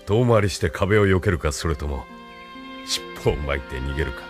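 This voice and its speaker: In this anime radio drama, a cold, calculating colonel with a very deep, measured voice. He lays out orders with an unhurried, commanding weight, and faint music plays behind him. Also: lively intonation. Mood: stern. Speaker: military colonel.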